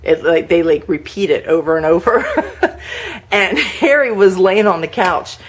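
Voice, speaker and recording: A woman's voice: on the low side, lively intonation, measured pace. A middle-aged woman vlogger casually telling a personal story, chatty and laughing often. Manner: chatty, laughs often, acts out quoted voices.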